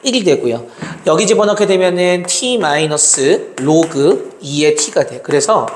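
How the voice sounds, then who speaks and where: A man's voice: fairly high pitch, expressive, a little slow. A male math tutor working through exam problems step by step, talking calculations aloud and checking in with his students. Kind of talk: exam problem walkthrough lecture. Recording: roomy reverb, faint noise.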